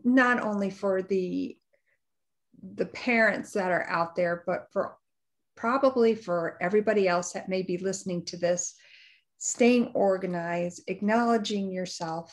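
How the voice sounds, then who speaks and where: A woman hosting a podcast interview, upbeat and appreciative toward her guest. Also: mid-range voice. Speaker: podcast host.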